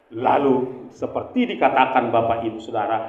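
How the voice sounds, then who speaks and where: Shrill speech with fairly even intonation comes through noticeable background noise and audible room echo. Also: man. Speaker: pastor. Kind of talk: sermon.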